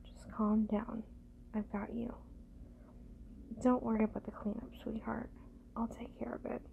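A woman in a whispered role-play as a gentle, doting lover, murmuring tender sweet nothings in a soft, breathy, soothing whisper. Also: fairly high pitch, little pitch movement, unhurried, phone-quality sound.

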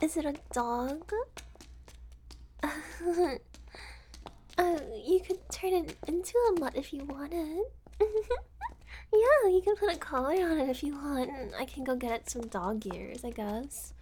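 A woman's voice: high voice, slow, long pauses, a little mellow, slight background noise. A woman playing a giggly, unhinged young woman kidnapper who teases and whispers asides in a sweetly menacing way. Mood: playful teasing. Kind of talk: audio roleplay acting.

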